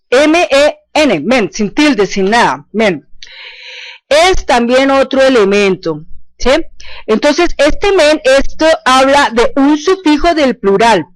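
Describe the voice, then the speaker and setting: Woman teacher, patient explainer, repeats herself, frequent check-ins, fairly high voice, dry close sound. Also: no room sound, low-quality recording. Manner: patient, repeats points, checks understanding often. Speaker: language teacher. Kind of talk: explanatory online lesson.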